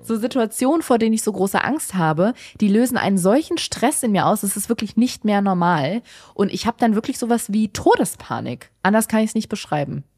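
A young woman co-hosting a podcast, telling personal stories in casual chat with quick laughs. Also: medium pitch, slightly rough. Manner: animated storytelling, quick laughs. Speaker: podcast host.

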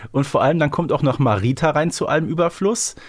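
A man's voice: fairly high pitch, fast, no echo, clean studio sound. A man co-hosting a podcast, chatting casually as he explains a story. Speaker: podcast co-host. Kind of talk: casual chat recapping an episode.

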